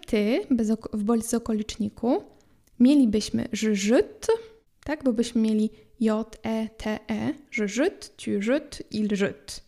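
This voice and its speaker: Mellow-voiced Polish-speaking woman teaching French. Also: fairly high pitch. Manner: clear and explanatory, spells out letters slowly. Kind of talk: podcast language lesson.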